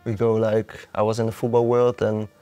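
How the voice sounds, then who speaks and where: A man's voice: lowish voice, monotone, fairly quick, warm tone, highs cut off, soft background music. Laid-back young Dutch-accented man. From Netherlands. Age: young adult. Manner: laid-back, hesitant with many ums and uhs. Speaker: guest footballer. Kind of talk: casual interview.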